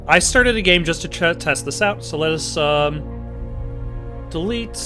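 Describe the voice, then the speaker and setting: Casting: male gameplay commentator, lighter raised pitch, unscripted and halting, chatting through his thoughts over music. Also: sharp tone. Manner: halting, thinking aloud. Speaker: let's play host. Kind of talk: casual, improvised gameplay commentary.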